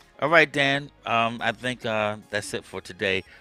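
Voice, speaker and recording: A man is speaking. Music plays behind him. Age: 60s. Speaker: podcast host. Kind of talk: casual interview.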